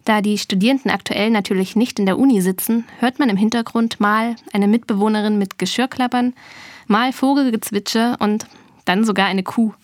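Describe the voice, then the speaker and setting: A woman's voice: medium pitch, steady tone, moderate pace, no room sound, studio quality. A woman hosting a photography news podcast, reading a scripted segment intro in an earnest tone that addresses the listeners directly. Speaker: podcast host.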